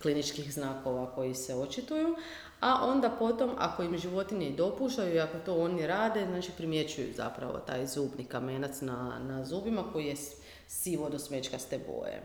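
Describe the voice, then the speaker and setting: The speaker uses lively intonation at a moderate pace. Audible room echo and noticeable background noise are present. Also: woman. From Croatia, Slavonia, rural. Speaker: veterinary dentist. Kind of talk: interview.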